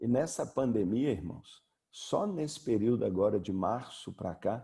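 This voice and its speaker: A man's dark, mellow tone at a fairly slow pace. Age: 60s. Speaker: pastor. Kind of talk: lecture.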